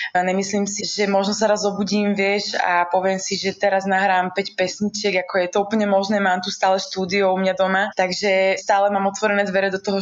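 At a fairly quick pace, a woman speaks with hardly any pauses, a medium pitch and monotone, flat intonation. There is noticeable background noise. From Slovakia, Trnava. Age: 20s. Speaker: rapper and singer. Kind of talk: interview.

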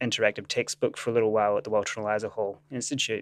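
A man speaks at medium pitch in a bright, sharp tone. The recording is very clean with a silent background and a dry, close sound with no echo. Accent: New Zealand. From New Zealand. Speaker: scientist and animator. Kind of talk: interview.

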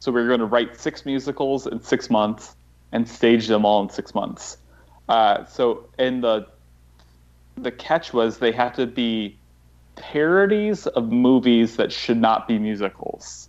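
Against a quiet background, a man uses a normal speaking voice at a medium pitch and fairly slow pace, with ordinary pitch variation. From New York. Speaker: comedian. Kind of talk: casual chat. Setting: call from home. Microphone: clear call connection.

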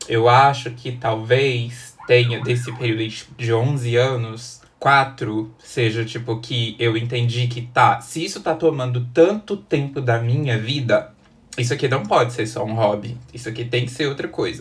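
A man's medium-pitched voice sounds somewhat breathy, and his intonation stays fairly even. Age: 30s. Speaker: content creator. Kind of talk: casual chat.

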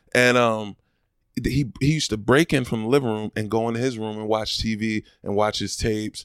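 Animated and fairly quick, a man with a New York accent talks at a medium pitch in a dry, close sound with no echo. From Brooklyn, New York (Brownsville). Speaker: comedian. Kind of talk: casual chat.

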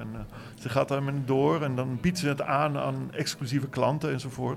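A man talks at a medium pitch and moderate speed. His intonation stays fairly even against noticeable background noise. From Germany. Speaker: film festival organiser. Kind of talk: live interview. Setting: stage with audience.

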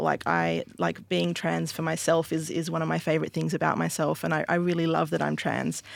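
The speaker has an Australian accent and a moderate pace. The recording is very clean, with a silent background. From Western Australia (Albany). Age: 30s. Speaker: LGBTIQA+ advocate. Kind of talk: personal interview storytelling.

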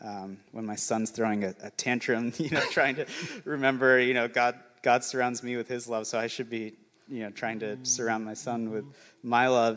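A man has a plain, everyday voice with an American accent. His pitch is medium, his intonation fairly even, and his pace moderate. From US (Detroit, then St. George, Utah). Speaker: churchgoer sharing testimony, education entrepreneur. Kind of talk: testimony. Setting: church stage with congregation.

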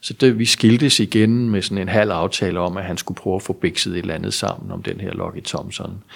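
With a normal speaking voice, a man speaks at a fairly quick pace and fairly low pitch, with ordinary pitch variation and hardly any pauses. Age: 60s. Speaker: author. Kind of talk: interview.

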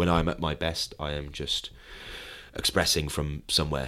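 A man's very deep, low voice with vocal fry, fairly even intonation and a fairly quick pace, in a very clean recording with a silent background. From Wales. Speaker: entrepreneur and speaker. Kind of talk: casual interview.

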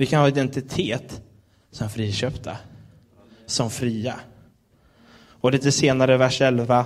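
Talking at a fairly slow pace with long, frequent pauses, a man keeps a medium pitch and fairly even intonation. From Sweden, Gothenburg. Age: 20s. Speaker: pastor. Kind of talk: sermon. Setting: church.

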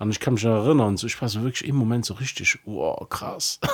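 An ordinary speaking voice from a man, fairly low-pitched with lively intonation. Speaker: podcast co-host. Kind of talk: casual philosophical discussion. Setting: recording studio.

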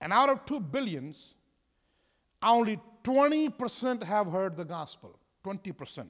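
A man's high-pitched voice at a fairly slow pace, with long, frequent pauses, very wide pitch swings and big swings in loudness. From Pakistan. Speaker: bishop, visiting preacher. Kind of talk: sermon.

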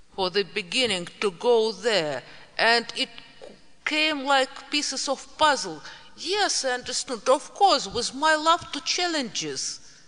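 A woman with a Russian accent speaks fairly slowly in a high, raised, projected voice with very wide pitch swings. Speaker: poet. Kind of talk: talk to audience. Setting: stage with audience.

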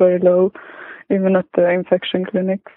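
With a Swedish accent, a woman talks at a moderate pace in a medium pitch. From Sweden. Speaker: patient and Lyme awareness founder. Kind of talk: interview, casual conversation. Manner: searching for words.

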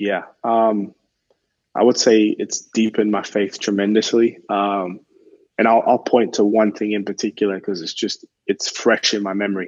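Here a man speaks in a fairly low pitch with monotone, flat intonation. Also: moderate pace. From England. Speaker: campus ministry worker. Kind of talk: interview.

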